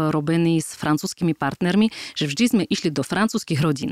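A woman with a slight Russian accent and a fairly low pitch speaks at a moderate pace with lively intonation, in a very clean, dry, close recording with no echo and a silent background. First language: Russian (speaking Slovak). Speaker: social media marketing expert. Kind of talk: interview. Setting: studio.

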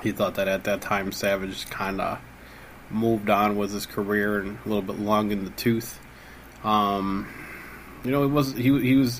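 A man talks at a moderate pace in a fairly low pitch. It is an unremarkable speaking voice. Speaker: podcast co-host. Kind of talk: casual podcast chat.

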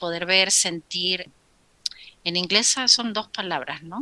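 With a bright, sharp tone and a fairly low pitch, a woman speaks at a very slow pace in a dry, close sound with no echo. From Peru, Cusco. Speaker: sociology academic. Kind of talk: group interview conversation.

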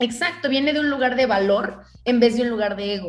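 Over noticeable background noise, a woman speaks at a moderate pace. The room echo is audible. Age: 20s. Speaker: life and performance coach. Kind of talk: interview.

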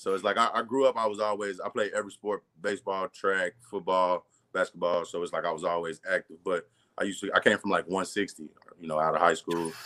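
In an American accent, a man speaks at a fairly quick pace, recorded dry and close with no echo. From Arkansas, US South. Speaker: football player. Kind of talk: interview.

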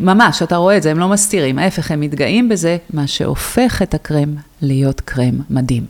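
With an ordinary speaking voice at a fairly low pitch, a woman talks at a moderate pace with lively intonation and hardly any pauses, on a very clean recording, silent background. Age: 60s. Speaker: yoga and spiritual teacher. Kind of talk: casual chat.

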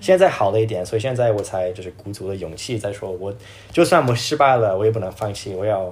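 The speaker's somewhat breathy voice races at a very fast pace, with big swings in loudness and ordinary pitch variation. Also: man, fairly low pitch for a man. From US, Seattle. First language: English (speaking Chinese). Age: 20s. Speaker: talent show contestant and English teacher. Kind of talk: podcast interview. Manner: hesitant, many fillers.

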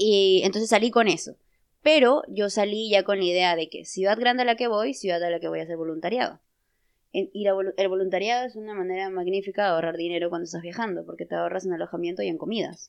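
Speaking at a very fast pace, a woman uses a medium pitch with ordinary variation. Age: 20s. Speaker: traveler. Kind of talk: casual interview.

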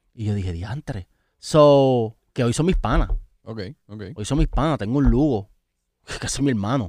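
A man with a plain, everyday voice talks fairly slowly at a medium pitch, with lively intonation and big swings in loudness, in a very clean recording with a silent background and a dry, close sound with no echo. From Puerto Rico, Coamo. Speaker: videographer and barber. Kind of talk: casual interview chat. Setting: studio.

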